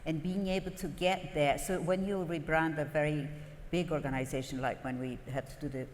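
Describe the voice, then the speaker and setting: A woman design partner on a live panel, explaining her thinking in a thoughtful, measured way. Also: low-pitched, steady tone, a little hiss or hum. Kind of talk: unscripted panel talk. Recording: reverberant live conference hall.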